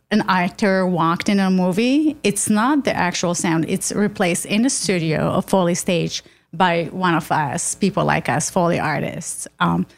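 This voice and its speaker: A woman originally from Morocco, a guest explaining her work as a foley artist in casual chat. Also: fairly low pitch.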